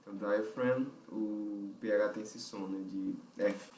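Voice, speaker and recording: A man's voice: on the low side, steady tone, slow, darkish tone, slight background noise. Brazilian man teaching, roomy and distant. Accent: Brazilian Portuguese. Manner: explains step by step, checks himself aloud, frequent "né?" and "ok?". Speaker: vocal technique teacher. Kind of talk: online lesson explanation.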